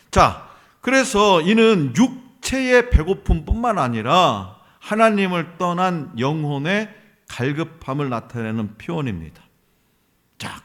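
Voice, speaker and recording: A man's voice: on the high side, a bit bright. A man preaching a sermon as a pastor in a church, emphatic, asking the congregation questions and answering them himself. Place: church sanctuary.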